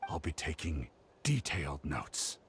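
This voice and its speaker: A man's voice: very deep voice, huge pitch swings, unhurried, slight background noise, full character voice. A man playing an earnest, talkative tribal writer in a video game, speaking expressively. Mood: hopeful, keen. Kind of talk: game character dialogue.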